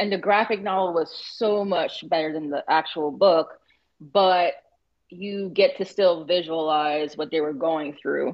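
A woman with a normal speaking voice, fairly low in pitch, at a fairly slow pace. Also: ordinary pitch variation. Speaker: hiker. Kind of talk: casual chat.

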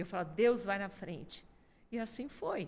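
A woman speaks in an animated tone. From Curitiba, southern Brazil. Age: 50s. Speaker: television presenter. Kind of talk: casual interview chat.

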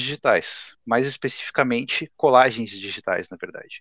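Using a normal speaking voice, a man talks at a moderate pace with ordinary pitch variation, the sound dry and close with no echo. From Rio Grande do Sul, southern Brazil. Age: 20s. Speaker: digital artist. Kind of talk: casual chat.

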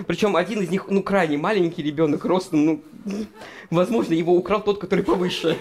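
Loudness stays very even and intonation fairly even, with noticeable background noise behind the voice. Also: man, high pitch for a man. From Russia, Murmansk. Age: 20s. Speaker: actor. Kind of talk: personal storytelling. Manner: hesitant, many fillers.

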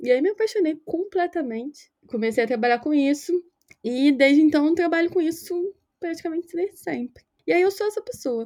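A woman speaks at a moderate pace in an extremely high pitch with a dark, mellow tone. The recording is very clean, with a silent background. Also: lively intonation. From Rio de Janeiro, Brazil. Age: 30s. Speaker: market researcher. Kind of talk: casual interview.

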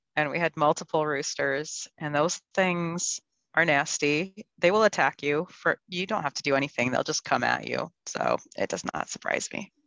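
A woman with an Upper Midwest US accent speaks at a moderate pace. Her voice is very deep and low, with vocal fry and ordinary pitch variation. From rural Wisconsin. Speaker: guest co-host. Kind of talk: casual chat. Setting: video call.

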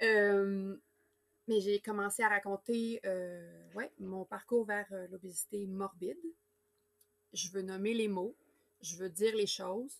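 A woman in a Quebec accent, medium in pitch, with fairly even intonation, a very slow pace and long, frequent pauses. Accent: Québécois French. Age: 30s. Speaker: guest sharing personal experience. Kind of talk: casual interview. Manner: loud, talkative.

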